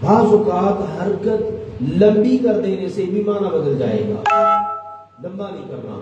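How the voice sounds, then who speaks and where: A man's voice: high voice, expressive, dull audio, over music. A man teaching a recitation lesson, patiently chanting each sound as he explains it. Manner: slow, patient, demonstrates sounds by chanting them. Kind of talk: tajweed lesson. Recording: roomy hall echo, distant mic, faint noise.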